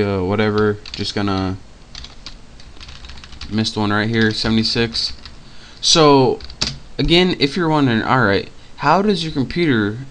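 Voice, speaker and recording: A man's voice: medium pitch, a bit bright. Chatty man explaining code. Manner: loose and chatty, with fillers and self-corrections. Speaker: programming tutor. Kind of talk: casual screencast tutorial.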